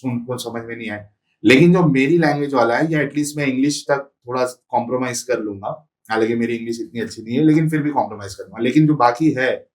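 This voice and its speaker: Guy guest on a podcast, forceful, ticks off points one by one, bit far from the mic. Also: mid-range voice. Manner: emphatic, lists points one by one. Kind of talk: podcast interview.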